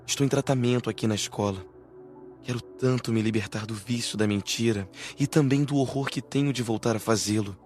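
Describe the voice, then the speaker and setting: A man playing an anxious, remorseful gentleman spirit in an audiobook, speaking in an earnest, confessional way. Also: medium pitch, fairly quick, faint music behind, lightly acted.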